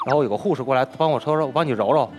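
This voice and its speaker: A man, a crosstalk performer telling a personal story as an interview guest, with an animated delivery that acts out the dialogue. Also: medium pitch, very fast, faint music behind. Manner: animated, retells dialogue with lively swings.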